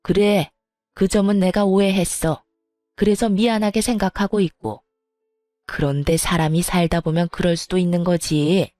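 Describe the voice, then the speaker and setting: A woman's voice: on the low side, steady tone, normal speed, warm tone, dry recording, faint music behind, natural voice. A woman voicing an older mother-in-law who talks down dismissively and condescendingly, in a narrated audio story. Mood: defensive.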